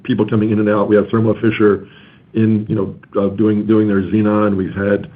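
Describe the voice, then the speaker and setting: A low-voiced man gives unscripted executive answers in a flat tone, restarting and repeating words. The line sounds like a phone call. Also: moderate pace. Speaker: company chief executive.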